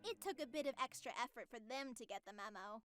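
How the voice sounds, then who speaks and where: A woman's voice: fairly high pitch, lively intonation, fast talker, fairly bright tone, faint music behind. A woman playing a cheerful but tyrannical, self-righteous artificial being, narrating a scripted visual novel. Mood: breezy, smug.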